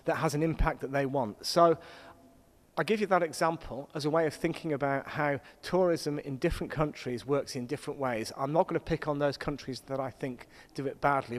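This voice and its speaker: A middle-aged man moderating a conference panel, explaining things in a measured, storytelling way to introduce the discussion. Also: medium pitch. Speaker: panel moderator, senior university academic. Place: conference hall. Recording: echoey hall with long reverb.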